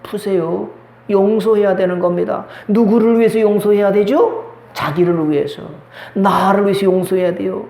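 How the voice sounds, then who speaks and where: Male pastor, high voice, preaching in an echoey church hall; asks the flock questions, acts out dialogues. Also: steady tone, normal speed, mellow. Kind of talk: sermon. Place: church sanctuary.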